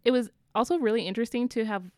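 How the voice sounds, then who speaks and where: A woman's voice: a little high, rapid-fire, darkish tone, no echo, clean studio sound. A woman from the American South with a Southern accent, co-hosting a casual book podcast, chatty with frequent laughs. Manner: chatty, laughs often, many fillers.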